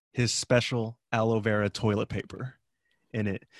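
Against a quiet background, a man speaks at a medium pitch in a monotone, flat way, with a dry, close sound and no echo. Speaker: podcast co-host. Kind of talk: casual chat. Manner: loud.

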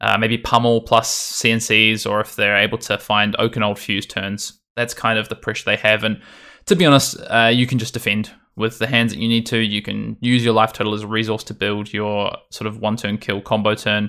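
A man speaks with an Australian accent at a moderate pace, in a bright, sharp tone. His intonation is monotone and flat, on a very clean recording with a silent background. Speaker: card game champion. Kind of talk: casual chat.

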